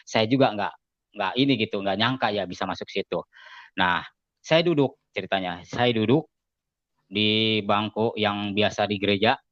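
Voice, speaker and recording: A man giving a casual spoken testimony as an interview guest, telling his story in an animated way and acting out the lines of other people. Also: normal speed, no room sound. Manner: animated storytelling, acting out quoted dialogue with raised pitch. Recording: dull, slightly lo-fi dry sound.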